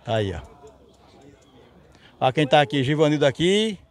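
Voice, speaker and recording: A man with a Northeastern Brazilian accent and a sing-song voice on the high side speaks at normal speed as host and reporter of a casual vlog at an outdoor dirt-lot livestock market with trucks. He chats and interviews familiarly, repeating short stock catchphrases.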